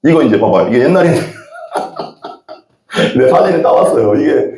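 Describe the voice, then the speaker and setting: A man's voice: medium pitch, lively intonation, unhurried, darkish tone. A middle-aged man preaching a sermon as a pastor, telling rambling folksy stories from the pulpit. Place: church sanctuary. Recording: echoey church hall.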